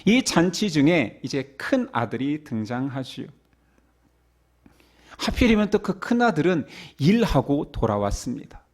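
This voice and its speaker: A man's voice: on the high side, very animated, unhurried, darkish tone. A male pastor preaching a sermon with rhetorical questions to his congregation.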